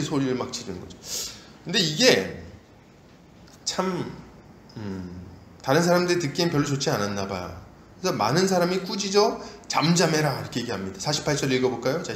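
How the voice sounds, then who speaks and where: A man's voice: medium pitch, a little fast. A male pastor preaching a sermon, telling the story vividly and asking rhetorical questions. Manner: animated storytelling, acts out voices, rhetorical questions. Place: church sanctuary. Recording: echoey church room, faint hiss.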